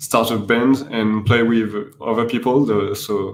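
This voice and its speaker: A man speaks at a medium pitch with a French accent. There is audible room echo and noticeable background noise. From France. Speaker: music producer. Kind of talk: interview. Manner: halting.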